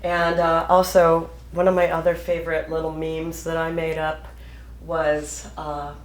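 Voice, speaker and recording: A woman's voice: low voice, monotone, measured pace, reverberant. A middle-aged woman counselor explaining a self-talk exercise to a couple, emphatic and teacherly.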